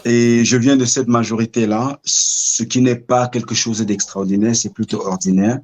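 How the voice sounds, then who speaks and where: A middle-aged man from Cameroon, telling his story as an interview guest in a measured, reflective way, often pausing to search for words. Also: mid-range voice, steady tone, a little mellow.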